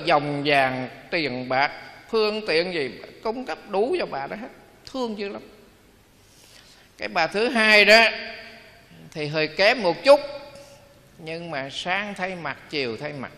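A man's voice: high-pitched, sharp tone, long reverb tail. A man, a Buddhist monk, giving a dharma talk in a folksy storytelling way, acting out the people in his stories.

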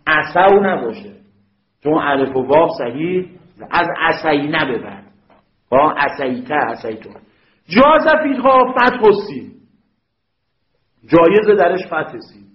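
Male teacher, high voice, lively lecturing with rhetorical checks, recorded in an echoey room. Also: dull audio. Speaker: Arabic grammar teacher. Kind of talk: classroom lecture.

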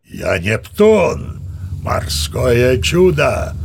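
An actor playing a sea captain who poses as a grandiose Neptune, declaiming verse in a drawn-out, theatrical way. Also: male voice, medium pitch, sing-song, vocal fry, a little hiss or hum, heavily acted. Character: mock Neptune, grandiose booming sea god. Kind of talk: theatrical audio drama acting.

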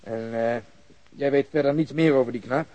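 Actor as male police interrogator, middle pitch, clipped, probing, radio play, close dry sound. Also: moderate pace, mellow, no room sound, lo-fi sound, close to an everyday voice. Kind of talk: audio drama acting.

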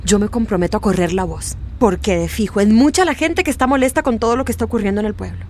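A woman's voice: mid-range voice, fast, darkish tone, a little hiss or hum, lightly acted. A woman playing a fussy, complaining village woman who sighs and exclaims constantly, in a radio drama. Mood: indignant. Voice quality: exasperated sighing, frequent "ay".

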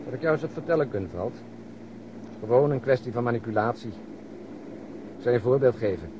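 An actor playing a wry, talkative police detective in a radio play, explaining things at length. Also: male voice, mid-range voice, brisk, dull audio, lightly acted. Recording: noisy old radio recording.

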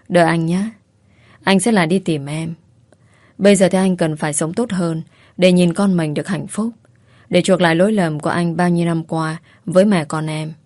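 A woman voicing a loving, remorseful husband in a gentle, tender way. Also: lowish voice, no room sound, natural voice.

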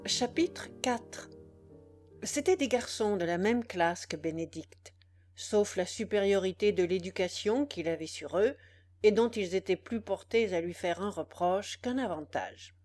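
A woman reading a classic novel aloud in a measured, even narration. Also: mid-range voice, faint music behind. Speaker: audiobook reader.

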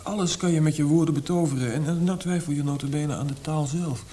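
Actor as mellow convalescent officer over background noise. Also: male voice, fairly high pitch, steady tone, fast talker, natural voice. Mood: puzzled, troubled. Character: convalescent male army officer, earnest and puzzled. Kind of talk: Dutch radio drama acting.

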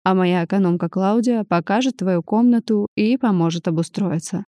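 A woman reader voicing a calm, mocking young male suitor, speaking slower and a touch lower. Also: no echo, clean studio sound, lightly acted. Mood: firm. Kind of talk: audiobook narration.

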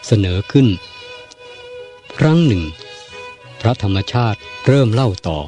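A man reading a novel aloud as an audiobook narrator, in a measured and formal storytelling manner. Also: medium pitch, animated, dark tone, soft background music.

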